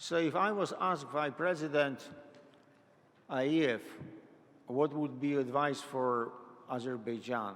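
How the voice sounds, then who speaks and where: With a Polish accent, a man talks at a fairly slow pace with long, frequent pauses, a fairly high pitch and ordinary pitch variation. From Poland. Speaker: economist. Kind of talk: panel speech. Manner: halting, with self-corrections.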